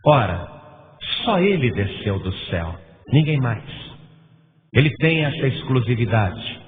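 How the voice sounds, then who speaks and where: Brazilian pastor preaching in a reverberant hall. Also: male voice, mid-range voice, very animated, measured pace. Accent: Brazilian Portuguese. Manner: impassioned preaching, rising to loud emphatic lists. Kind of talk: sermon. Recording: tinny phone-like sound with long reverb and faint noise.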